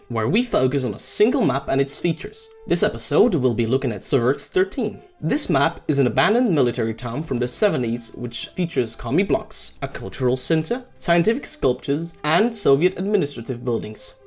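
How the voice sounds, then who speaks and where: A man's voice: a little high, slightly rough. A man reading scripted narration for a segment about a video game.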